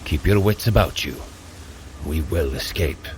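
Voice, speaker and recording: Noble warrior god, real deep n slow, solemn old-timey hero talk, audio drama. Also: male voice, slight background noise. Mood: urgent, watchful. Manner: solemn, archaic heroic diction. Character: noble, protective, booming warrior god, earnest and proud.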